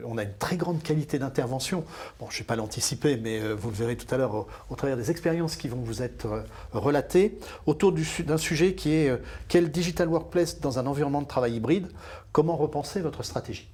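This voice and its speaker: A man hosts a live panel discussion, welcoming guests and laying out the plan in a friendly, chatty way. His voice carries a light husky grain at a middle pitch, and he pauses often to find his words. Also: a little mellow. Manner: friendly, chatty introductions with frequent hesitations. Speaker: panel moderator. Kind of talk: moderating a live panel webinar.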